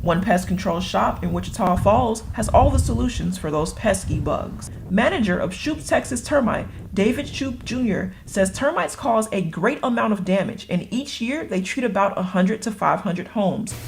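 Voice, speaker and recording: A woman's voice: medium pitch, lively intonation, normal speed, gravelly, hardly any pauses, a little hiss or hum. A woman in her twenties delivering scripted local news reports as a student reporter. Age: 20s. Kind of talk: scripted news package narration and stand-ups.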